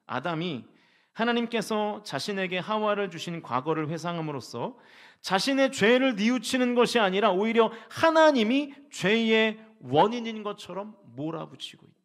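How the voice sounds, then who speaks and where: A man's voice: high-pitched, lively intonation, normal speed. A middle-aged male pastor giving a sermon in a church, asking the congregation rhetorical questions and voicing people's complaints to God. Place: church sanctuary.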